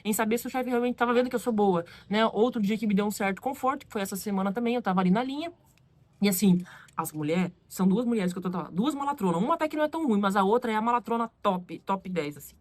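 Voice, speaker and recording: A Brazilian woman with a Brazilian Portuguese accent telling a story in a casual vlog, animated and acting out what others said. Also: medium pitch, fast, no echo. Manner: animated, acts out quoted voices. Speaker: vlogger.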